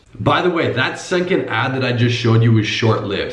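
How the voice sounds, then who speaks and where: Speech at a very fast pace comes through audible room echo and noticeable background noise. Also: man. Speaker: e-commerce YouTuber. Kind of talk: tutorial; casual vlog outro. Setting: apartment at night, traveling in Prague. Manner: quiet, keeping voice down; fast, conversational.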